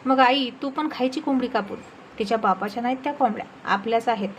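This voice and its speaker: A woman's voice: a little high, quick pace, a little hiss or hum, lightly acted. A woman voicing a hot-tempered village husband who gives harsh, threatening orders in a storybook reading. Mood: angry.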